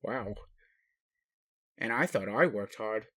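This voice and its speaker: A man playing a gentle, puzzled alien daddy in an intimate roleplay audio, indulgent and bemused, with questioning hesitations. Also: lowish voice, expressive, slow, no room sound, studio quality, heavily acted. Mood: incredulous, musing. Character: gentle, puzzled alien daddy, adult male spaceship commander. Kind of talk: intimate roleplay audio, speaking to one listener.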